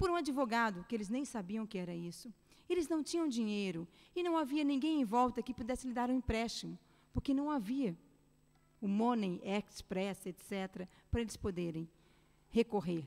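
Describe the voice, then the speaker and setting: Moderately paced speech from a woman, fairly high in pitch, with very wide pitch swings. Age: 40s. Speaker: preacher. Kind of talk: sermon. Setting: church.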